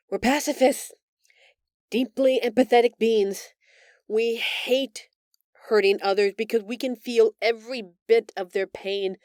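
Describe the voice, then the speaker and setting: A woman playing a gentle, empathetic female alien in an intimate audio roleplay, speaking earnestly and hesitantly with emotional pauses. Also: on the high side, no room sound, clean studio sound, natural voice. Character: gentle, remorseful female alien, empathetic, recounting her escape from captivity.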